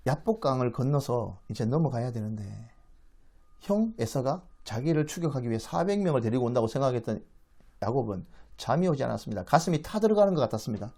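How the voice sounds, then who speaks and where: A man's voice: medium pitch, quick pace. A man giving a Bible lecture as a dramatic story, acting out the quoted speech and putting questions to his listeners. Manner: animated, acts out the quoted speech, asks the audience questions.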